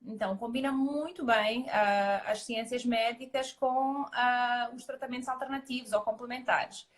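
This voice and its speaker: A woman's voice: fairly high pitch, steady tone, moderate pace. Hesitant woman from Mozambique, talking. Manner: hesitant, many fillers and restarts. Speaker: guest naturopathic doctor. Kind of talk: live interview.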